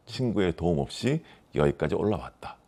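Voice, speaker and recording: A man's voice: low-pitched, very animated, brisk, a little mellow. A man with a regional Korean dialect explaining life lessons conversationally as an author, emphatic and full of rhetorical questions. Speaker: author giving life advice.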